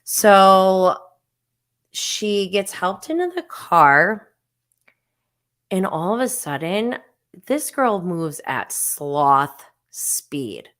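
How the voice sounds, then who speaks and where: A woman in her forties, vlogging to camera as she tells a story in a casual, animated and self-deprecating way, with frequent laughs. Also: on the low side, drawn-out words. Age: 40s.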